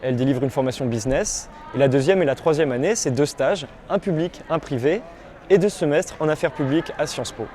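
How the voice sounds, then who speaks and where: Higher-voiced man, brisk and factual. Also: a little mellow, slight background noise. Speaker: business and public management student. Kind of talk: testimonial interview.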